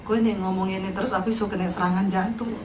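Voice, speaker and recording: A woman preacher voicing her gentle, patient Javanese husband as he complains in a plaintive, mildly sulking tone. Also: medium pitch, steady tone, fast, some chatter behind, slight background noise, pitched below the performer's own voice, natural voice. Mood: complaining. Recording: echoey church hall from far off.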